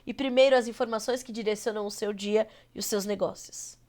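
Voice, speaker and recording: A Brazilian woman with a cold anchoring a live agribusiness news show, her voice nasal and congested as she runs through market prices. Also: mid-range voice. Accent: Brazilian Portuguese. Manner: brisk, reads prices in a steady run.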